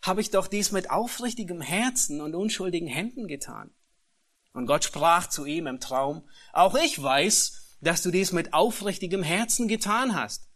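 A man preaching a sermon and reading scripture, stressing key phrases slowly and repeating words as he searches for them. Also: high-pitched, lively intonation, fairly bright tone. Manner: emphatic, slows and rises on key phrases. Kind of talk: expository sermon.

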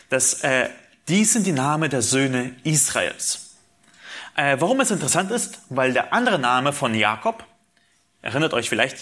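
A man's voice: mid-range voice, bright, forceful tone. A man preaching a sermon, asking rhetorical questions and reading Bible passages aloud. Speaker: pastor.

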